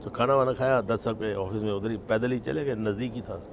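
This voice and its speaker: A man's voice: fairly low pitch, quick pace, vocal fry, slight background noise. An older man, a film actor, recounting stories in a casual interview, mixing English phrases into his speech. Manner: animated storyteller who mixes in English phrases.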